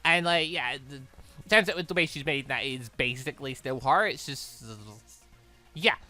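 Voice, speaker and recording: A young man hosting a gaming channel, giving casual, rambling and excitable Let's Play commentary. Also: medium pitch, moderate pace, faint music behind.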